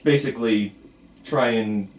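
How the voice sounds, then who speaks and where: A man's voice: on the low side, a little slow. A man leading a script table read as filmmaker, talking casually and reading out stage directions. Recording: roomy, distant, faint background noise.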